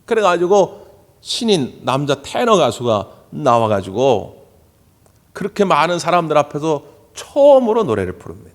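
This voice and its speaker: A male pastor preaching a Sunday sermon in a church sanctuary. He tells stories in an animated way and acts out the voices of the people in them. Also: a little high, normal speed. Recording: long church hall reverb.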